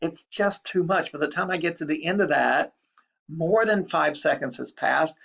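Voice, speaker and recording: Male lecturer, slightly high gravelly voice, casual explainer, dull lo-fi recording. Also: moderate pace, fairly bright tone. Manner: chatty, explanatory, repeats key points.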